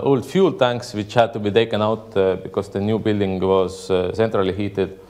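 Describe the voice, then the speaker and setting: A man's fairly low voice with an Estonian accent, fairly even intonation and a moderate pace. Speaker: construction project manager. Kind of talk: conference presentation. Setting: stage with audience. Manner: halting. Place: hall.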